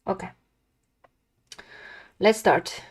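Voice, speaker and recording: A young woman with a calming, mid-pitched voice. She talks in a casual, chatty way to viewers of her drawing livestream and often addresses them directly. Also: drawn-out words, slightly rough. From lives near a big Dutch city. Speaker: art livestream host. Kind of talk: casual chat while drawing.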